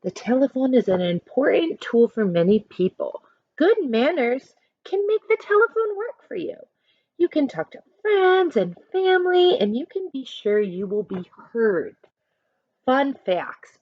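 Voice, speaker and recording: Woman, higher voice, lively swooping intonation, children's read-aloud lesson, explanatory asides, expressive teacherly delivery, dull close sound. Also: a little slow. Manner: expressive, instructive, acts out short examples. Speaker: teacher reading a picture book aloud to children.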